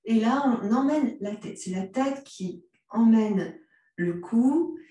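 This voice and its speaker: A woman with a French accent, gently guiding a yoga class with calm cues. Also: a little high, slow. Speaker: yoga instructor. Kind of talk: guided yoga class instruction. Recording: very echoey room, voice from a distance.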